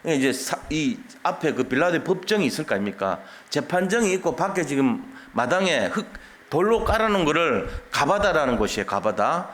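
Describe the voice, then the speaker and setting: A man's voice: on the high side, very animated, fairly quick, a bit bright. A man pastor preaching a sermon in a church, explaining a Bible passage in a colloquial way and acting out the quoted lines.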